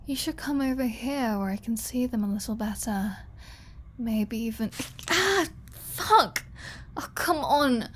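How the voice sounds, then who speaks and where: A woman's voice: a little high, a little hiss or hum. A woman voicing a flirty, sarcastic, defiant female vampire in a scripted ASMR audio roleplay. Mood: pained, defiant. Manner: sarcastic, teasing, playful.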